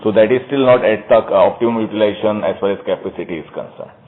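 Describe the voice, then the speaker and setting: A male executive explains figures on an earnings call in a lowish voice. The sound is a thin telephone band with a little noise under it. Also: fast. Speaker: company executive answering questions. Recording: narrowband phone line, faint noise.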